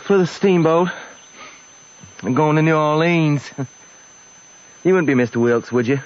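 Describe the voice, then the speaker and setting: An actor playing a naive, gossipy young American country fellow in an old radio drama. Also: male voice, a little high, a little slow, lightly acted. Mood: chatty, friendly. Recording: dull, faintly noisy old radio recording.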